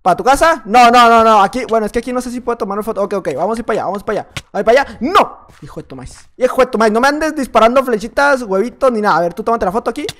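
A man's voice: very high-pitched, animated, racing, few pauses, fairly bright tone. A young man with a Mexican accent gives playful, chatty gameplay commentary, repeating his phrases as he plays. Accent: Mexican Spanish. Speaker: gaming YouTuber.

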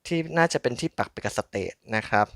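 Bright-voiced man, casual unboxing host. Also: quick pace, no echo, clean studio sound. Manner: polite, chatty, thinking aloud while handling objects. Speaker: host of a collectible toy unboxing channel. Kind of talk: casual hands-on unboxing commentary.

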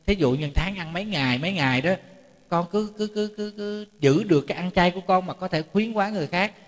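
Soft music plays behind a man with a high voice who talks fast, giving a chatty, story-driven Buddhist sermon. He frequently repeats words and trades jokes with his audience in a reverberant temple lecture hall.

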